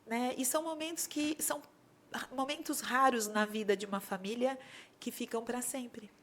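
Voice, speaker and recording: A woman guest on an interview podcast, telling stories in a casual, animated way and acting out dialogue in them. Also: a little high, moderate pace. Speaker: podcast guest, bridal designer. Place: podcast studio.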